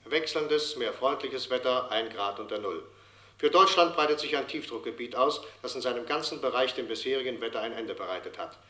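A man's voice: medium pitch, fairly quick, pushed and bright. A man playing an officious public announcer, formally reciting regulations and bulletins in a radio drama. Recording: long hall reverb.

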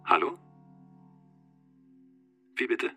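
An actor playing a calm, cold, evasive man in a radio drama, speaking in a curt, controlled, matter-of-fact way. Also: drawn-out words, music in the background.

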